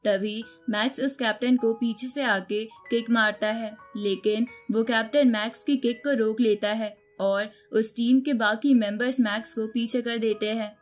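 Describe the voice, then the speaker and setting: A woman's voice: fairly high pitch, fairly even intonation, measured pace, hardly any pauses, faint music behind. A woman reading a scripted story recap as a narrator.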